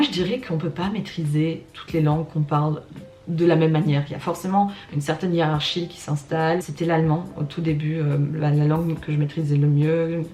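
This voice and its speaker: A woman's voice: low voice, darkish tone, slight background noise. A woman in her twenties telling her own story in a chatty, casual way, with lots of fillers and bursts of emphasis. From Germany and France, Russian-Canadian. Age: 20s. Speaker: vlogger.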